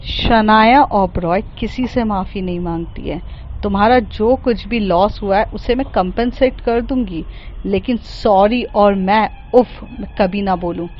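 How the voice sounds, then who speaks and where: A woman's voice: mid-range voice, a little slow, highs cut off, slight background noise, pitched below the performer's own voice, lightly acted. A woman voicing an arrogant, spoiled rich young woman who speaks dismissively and condescendingly. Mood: contemptuous.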